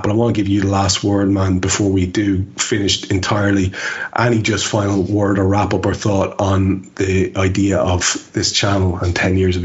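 A man hosting a casual podcast, rambling and self-deprecating with lots of fillers and restarts. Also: on the low side. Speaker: podcast host. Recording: dull lo-fi audio.

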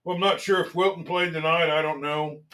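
A man chats loosely about local games as a sports show host. His voice sits a little high for a man. He trails off and starts over often. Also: a little fast, a little hiss or hum. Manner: relaxed, lots of fillers and restarts. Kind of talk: casual sports talk.

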